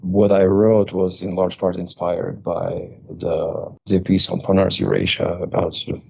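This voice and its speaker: A low, gravelly man in his forties from Kazakhstan speaks as a guest professor, pausing and restarting as he gropes for words. His voice is husky and dark. The audio is dull and lo-fi, like a remote connection. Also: little pitch movement. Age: 40s. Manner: halting, searching for words. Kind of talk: reflective interview answer.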